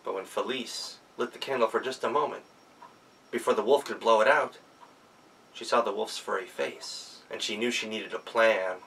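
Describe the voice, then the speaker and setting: Animated male storyteller, bright and distant. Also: on the low side, moderate pace, vocal fry, a little hiss or hum. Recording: voice distant from the microphone.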